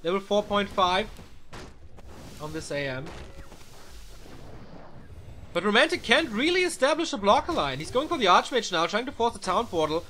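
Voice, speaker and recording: A man casting a live esports match: fast, excitable play-by-play that climbs at big moments, and relaxed chat with viewers between games. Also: high voice, a little hiss or hum. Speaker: esports caster. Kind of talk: live video game match commentary.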